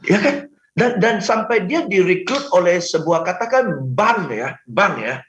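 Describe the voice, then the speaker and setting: A man, a sales trainer, giving advice on a radio talk show, animated, laughing often, acting out phone calls and mixing in English phrases. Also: sits high, unhurried, roomy sound, muffled recording, a little hiss or hum. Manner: mixes English phrases into speech.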